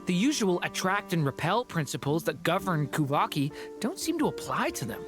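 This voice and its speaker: A woman voicing an eager, good-hearted young boy in a video game, youthful, earnest and expressive. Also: on the low side, moderate pace. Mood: curious. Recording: game music behind the voice.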